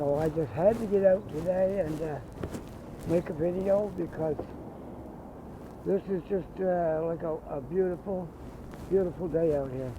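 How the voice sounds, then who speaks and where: Amid noticeable background noise, a high-voiced man speaks with long, frequent pauses. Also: ordinary pitch variation. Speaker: walking vlogger. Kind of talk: casual vlog narration. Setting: outdoors. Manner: naturally a bit loud; deliberately lowered voice.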